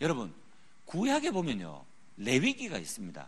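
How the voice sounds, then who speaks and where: Here a man talks at a moderate pace. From South Korea, Daegu. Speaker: missionary ministry staff, preacher. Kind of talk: sermon. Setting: church meeting with audience. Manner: animated, conversational with audience.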